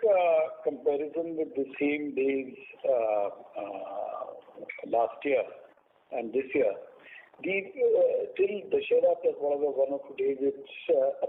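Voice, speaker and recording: Very animated Indian executive on phone line, man. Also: a little high, creaky. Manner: halting, choppy phrasing. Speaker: company executive. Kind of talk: answering analyst questions on an earnings call. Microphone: conference call line. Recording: tinny phone line with faint noise.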